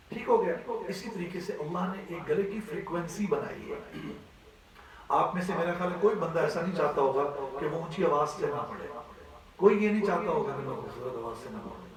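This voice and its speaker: A man's voice: fairly high pitch, recorded from a distance. Man teaching in a very echoey classroom. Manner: explanatory, often checks that students follow. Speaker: Quran recitation teacher. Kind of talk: classroom voice lesson.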